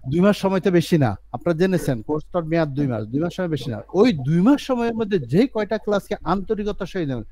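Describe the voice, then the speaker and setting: A man's voice: high voice, lively intonation, quick pace, hardly any pauses, warm tone. Earnest man teaching an online class. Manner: earnest, repetitive explaining with restarts. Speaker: English teacher.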